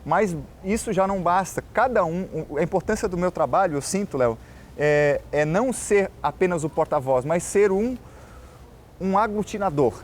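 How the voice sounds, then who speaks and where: A man's voice: sits high, normal speed, slight background noise. A man from Florianópolis with a local manezinho accent, a tour guide and journalist talking earnestly in an interview and explaining his points. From Florianópolis, Brazil. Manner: earnest, explanatory, addresses the host by name. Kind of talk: casual interview talk.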